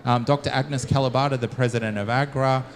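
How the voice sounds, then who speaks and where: A man giving casual spoken remarks as host of a launch event, halting with many fillers and restarts. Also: medium pitch, fairly even intonation. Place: conference room.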